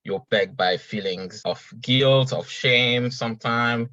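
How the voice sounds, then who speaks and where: A man's voice: mid-range voice, slow pace, sharp tone, no echo, muffled recording. A man, a podcast guest talking earnestly and reflectively at an uneven pace. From Senegal. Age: 30s. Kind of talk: casual conversational interview.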